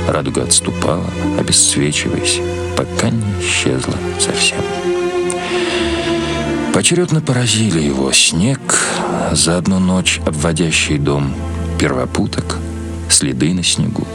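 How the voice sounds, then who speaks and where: A man's voice: rumbling low, sing-song, measured pace, vocal fry, long pauses, over loud music. A man reading literary prose aloud as a scripted narration. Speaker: narrator, reader.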